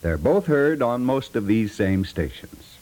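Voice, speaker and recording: Animated American male radio announcer. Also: on the low side, a little slow, faint music behind. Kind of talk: 1950s radio announcing, scripted promo. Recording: vintage 1950s radio recording.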